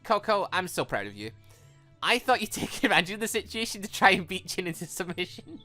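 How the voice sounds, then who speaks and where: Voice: medium pitch, very animated, a little fast, pushed and bright, faint music behind. A gamer reading aloud a mild, dry young woman student in a visual novel, hesitant and mildly reproachful. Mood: gently chiding.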